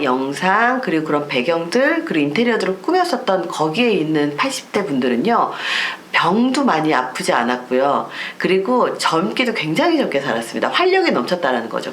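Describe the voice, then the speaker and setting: A woman's voice: fairly low pitch, a little hiss or hum. A woman lecturer explaining psychology in an emphatic, explanatory way, asking rhetorical questions. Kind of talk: recorded lecture to camera.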